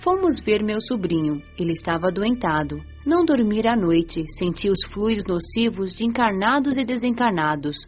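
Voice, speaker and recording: Young female spirit narrator , actress: mid-pitched, gentle, earnest, measured, dull recording with soft music. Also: very animated, natural voice. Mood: earnest narration. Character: gentle, earnest nineteen-year-old female spirit narrating her afterlife. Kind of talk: dramatised audiobook narration.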